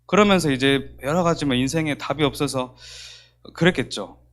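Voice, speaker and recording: A pastor preaches a sermon in church, telling a story with animation and acting out the dialogue. His voice is mid-range, and he speaks at a moderate pace.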